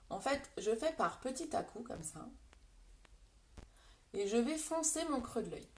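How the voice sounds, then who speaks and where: A woman's voice: a little high, fairly bright tone, echoey room, distant mic. A woman giving a casual live makeup tutorial, chatting to viewers by name and explaining each step. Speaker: beauty product seller doing a live makeup demo.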